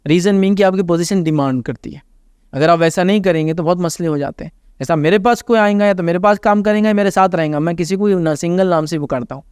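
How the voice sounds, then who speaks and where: High-voiced Indian man giving advice. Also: fast talker, darkish tone, clean tone, dry recording, studio quality. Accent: Indian Hindustani. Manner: explains with everyday examples and acted-out quotes; repeats reminders to remember. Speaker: Islamic scholar answering a question. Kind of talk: conversational religious advice talk.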